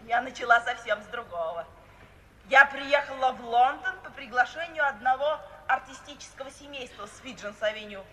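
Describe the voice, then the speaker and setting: An actress playing a brisk, self-assured, unsentimental young woman in a 1950s radio play, speaking decisively and matter-of-factly. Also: high-pitched, a bit bright. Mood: animated, amused. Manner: matter-of-fact, decisive, bluntly insistent. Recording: old hissy radio recording, roomy and distant.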